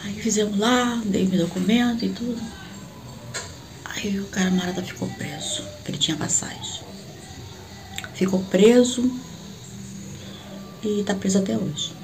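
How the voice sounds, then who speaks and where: Animated Brazilian woman telling a testimony. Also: creaky. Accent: Brazilian Portuguese. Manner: animated, acts out the dialogue with sharp jumps in pitch. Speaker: church prophet giving a testimony. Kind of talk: personal testimony storytelling.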